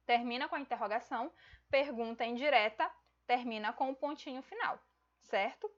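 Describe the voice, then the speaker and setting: Woman teacher for a video lesson, fairly high voice, emphatic, slightly dull lo-fi audio. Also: fairly bright tone. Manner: slow, emphatic, addresses students directly.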